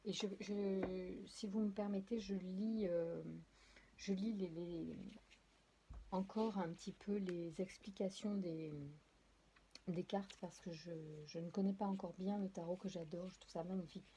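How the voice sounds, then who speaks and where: A woman reads tarot cards aloud in a warm, mellow voice. She hesitates often, restarts her phrases and apologizes as she goes. Faint background noise and small clicks sit under the voice. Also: mid-range voice, fairly even intonation, measured pace. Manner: addresses viewers directly. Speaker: tarot and oracle card reader. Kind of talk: casual spoken card reading.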